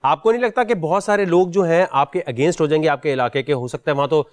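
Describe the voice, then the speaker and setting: A man's voice: on the high side, no echo, studio quality. A man hosting a talent show audition, questioning a contestant in a teasing, pointed way. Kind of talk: probing audition interview.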